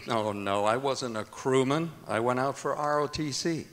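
A man's voice: mid-range voice, normal speed, a bit bright, close to an everyday voice. A man playing a genial, slick 1940s radio announcer with polished salesman patter. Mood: jovial. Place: auditorium stage, live performance. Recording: reverberant auditorium stage.

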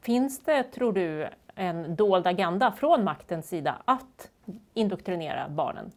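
Swedish woman hosting an interview, measured pace, pitch moves a lot, lapel mic. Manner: measured, lively intonation. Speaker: host. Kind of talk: studio interview. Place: small studio.

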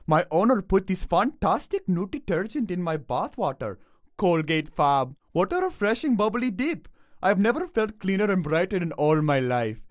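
A man's voice: high-pitched, sing-song, moderate pace, no echo, studio quality. A man voicing a cheerful, folksy talking laundry item in a commercial. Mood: delighted.

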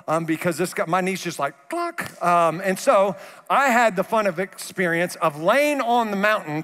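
A middle-aged male pastor preaching a sermon, conversational and animated, acting out the voices he quotes. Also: high-pitched. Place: large church hall. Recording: long hall reverb.

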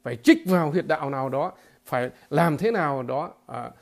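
A man giving a political commentary monologue to his viewers, halting and repeating filler words, emphatic and blunt. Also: a little high, gravelly. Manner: emphatic, with blunt crude imagery.

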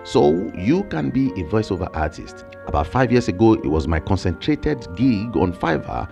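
A Nigerian-accented man in his thirties, an online income creator, pitches online work ideas with animated, emphatic energy, gesturing with his hands. His lowish voice carries vocal fry at a normal speed over music. He sits close to a large boom-mounted studio mic in a small indoor home studio lined with shelves and plants.

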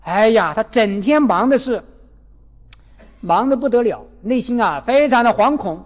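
A man with a notably high voice delivers a Buddhist sermon in an animated storytelling manner, acting out the people in his tales. His voice carries a long reverb, as if he is speaking in a large hall. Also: unhurried. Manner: animated, acts out quoted characters. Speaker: Buddhist dharma teacher.

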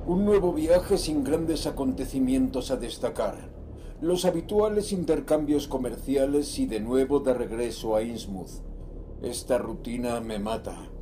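A man acts out a greedy, restless sea captain dictating his journal for a horror radio play. His voice is soft-edged and mid-pitched, with noticeable ambient noise behind it. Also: natural voice. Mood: weary, ambitious. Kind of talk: dramatic reading of a diary.

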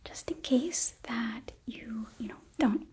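A young woman plays an eager, bubbly demon princess hotelier in a whispered ASMR roleplay. Her voice is high and very breathy, hesitant and gently apologetic, unfolding at a slow pace. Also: full character voice. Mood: gentle, reassuring. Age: young adult. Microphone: close microphone, seated before camera.

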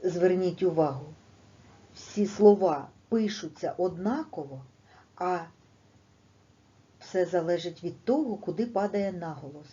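A woman teaching a lesson to young children, speaking slowly and stressing each word with a lively, sing-song lilt. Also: on the low side. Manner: slow and deliberate, stressing words emphatically. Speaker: primary school teacher. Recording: dull, lo-fi recording.

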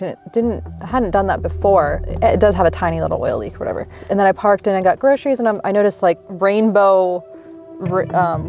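A young woman in her twenties vlogging in a car, talking to the camera in an anxious, rambling way with restarts and fillers. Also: medium pitch. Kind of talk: casual vlog talk to camera. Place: inside a car, then a small cabin and outdoors. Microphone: handheld camera at arm's length.

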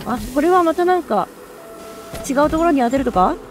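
A woman streamer giving excitable, chatty commentary while playing a video game, full of quick exclamations. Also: high-pitched, over music. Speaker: let's play streamer. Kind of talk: live gameplay commentary.

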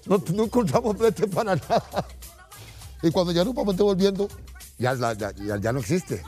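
A man's voice: high voice, normal speed, faint music behind. A middle-aged Costa Rican man casually telling an anecdote, acting out the people in it. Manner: animated, acts out voices in his stories. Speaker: guest storyteller.

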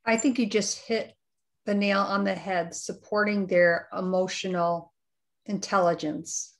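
A woman's voice: medium pitch, fairly even intonation, a little slow. Upbeat woman podcast host. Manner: upbeat, appreciative, praising the guest. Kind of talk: casual interview hosting.

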